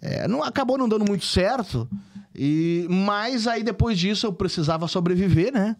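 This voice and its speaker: Male guest, 40s, faint southern Brazilian accent with São Paulo touches, somewhat high voice, halting chatty delivery. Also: expressive. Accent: mixed Brazilian Portuguese, gaúcho with São Paulo traces. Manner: hesitant, many restarts and tag questions. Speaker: company CEO, podcast guest. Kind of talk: casual interview talk.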